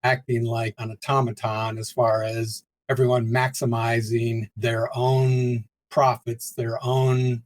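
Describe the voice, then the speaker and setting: A man's voice: mid-range voice, little pitch movement, slow, few pauses, rough recording. An older man from the Pittsburgh area, a guest in a conversational interview, speaking reflectively and chuckling often between points. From United States, Pittsburgh area.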